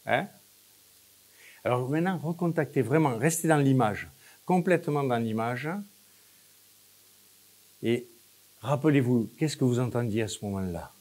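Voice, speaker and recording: A man leading a hypnosis session, giving short, repetitive, coaxing instructions with pauses between phrases. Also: medium pitch, darkish tone. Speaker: hypnosis practitioner leading a demonstration.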